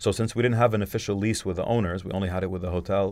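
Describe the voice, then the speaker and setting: A man with a Lebanese accent talks at a very fast pace, his fairly low pitch in fairly even intonation. The recording is very clean, with a silent background. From Lebanon, Beirut. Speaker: entrepreneur. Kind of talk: casual interview.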